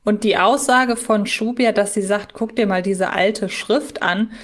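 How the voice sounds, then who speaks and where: A woman's voice: mid-range voice, measured pace. A woman co-hosting a podcast, reasoning aloud and raising questions in a casual, analytical chat. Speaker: podcast co-host.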